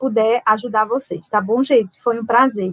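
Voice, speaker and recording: A woman speaks at a high pitch. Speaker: nutritionist and university lecturer. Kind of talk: lecture; closing remarks in webinar. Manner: fast.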